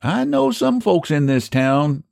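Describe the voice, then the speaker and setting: Storybook part: man performing a homespun, gullible country American pie baker, earnest, pitched well up, swinging intonation. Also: sing-song, slow, gravelly, darkish tone, dry recording, studio quality, heavily acted. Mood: doubtful. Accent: rural American.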